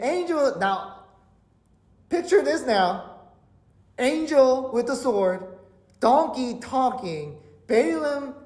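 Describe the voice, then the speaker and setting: A woman pastor preaching a sermon as an animated storyteller who retells each part in a second language, in a church sanctuary through a pulpit mic. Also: a little high, roomy sound. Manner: animated storyteller, repeats herself in two languages.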